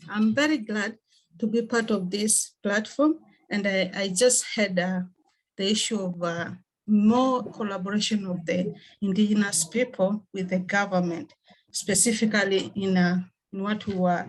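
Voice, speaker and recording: A woman's voice: mid-range voice, fairly even intonation, measured pace, a little hiss or hum, low-quality recording. Earnest Tanzanian woman at a meeting. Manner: earnest, with fillers and restarts. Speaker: NGO worker. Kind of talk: online meeting remarks.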